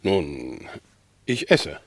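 A man's voice: extremely low pitch, wildly swooping pitch, extremely slow, breathy edge, dry recording, exaggerated voice. A man playing a good-natured, slightly simple, smitten male bulldog in a radio play, naive and earnest. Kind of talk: radio play animal dialogue.

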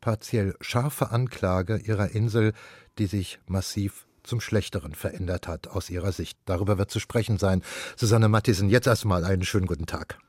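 A man hosting a radio interview, introducing his guest and asking questions in a measured, articulate way. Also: fairly low pitch, a little mellow, breathy edge, no room sound. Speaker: radio host.

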